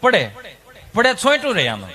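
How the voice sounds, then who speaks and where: A man with a Kathiawadi Gujarati accent telling comic stories in a stand-up set, animated and mimicking the people in them. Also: high voice, brisk. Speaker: stand-up comedian. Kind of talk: stand-up comedy storytelling.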